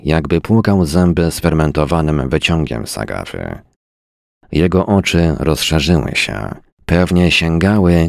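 A man reading a first-person story aloud in a wry, measured way. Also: extremely low pitch, vocal fry, darkish tone, no room sound, studio quality. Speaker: audiobook narrator. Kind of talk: scripted first-person narration.

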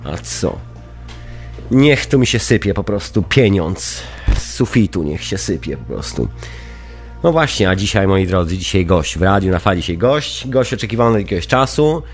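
A man's voice: deep voice, animated, moderate pace, faint music behind. A man with a head cold and a stuffy, runny-nosed voice, hosting a live radio show in a casual, chatty way and repeating himself. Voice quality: stuffy, nasal voice from a runny nose. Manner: chatty, repeats phrases for emphasis. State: congested with a head cold, sniffling.

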